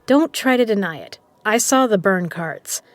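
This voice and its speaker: A confrontational female poker boss acted by a woman, recorded very dry. She speaks bluntly and pointedly at a medium pitch, in audio drama style. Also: animated, moderate pace, no echo, close to an everyday voice. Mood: accusing. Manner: pointed, accusing, direct. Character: blunt, confrontational female poker legend running a gambling den.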